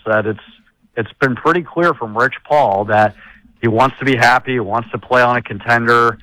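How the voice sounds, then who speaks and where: A man with a loud voice and a big laugh, appearing as a guest insider on a sports radio show and giving measured, detailed analysis. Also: medium pitch, dry recording, rough recording.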